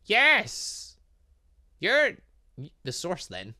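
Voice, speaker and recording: A man's voice: sits high, huge pitch swings, extremely slow, pushed and bright. A man hosting a game playthrough, reading dialogue aloud and commenting in a theatrical, exclamatory way. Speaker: gaming video host.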